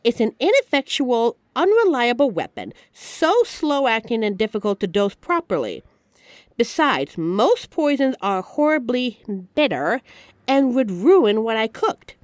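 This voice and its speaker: Woman acting a high-voiced, teasing mafia boss lady. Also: sing-song, measured pace, a little mellow, no echo. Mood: amused, reassuring. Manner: teasing, smug, chatty, addresses listener directly. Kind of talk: scripted ASMR-style roleplay audio drama.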